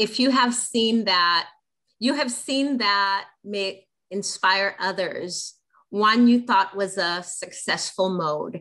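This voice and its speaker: Against a quiet background, a woman speaks very slowly in a tone both bright, sharp and warm, with ordinary pitch variation. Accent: Haitian. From Haiti. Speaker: Q&A moderator. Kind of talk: live Q&A moderation. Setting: video call. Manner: warm, laughs often. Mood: warm, upbeat. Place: home room. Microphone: video call.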